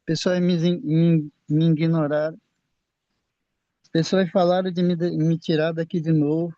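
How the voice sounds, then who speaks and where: Brazilian man, 60s, earnest faith testimony, halting speech with restarts; fairly high, flat voice, dry dull recording. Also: no echo. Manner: halting, repeats and restarts words. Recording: dull lo-fi sound.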